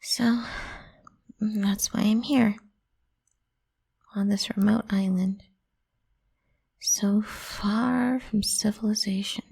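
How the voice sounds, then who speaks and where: A woman's voice: medium pitch, steady tone, takes it slowly, pauses often, exaggerated voice. Woman playing a whispery, possessive lamia girl. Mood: explaining softly. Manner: coaxing, teasing, soft and breathy. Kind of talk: whispered ASMR roleplay.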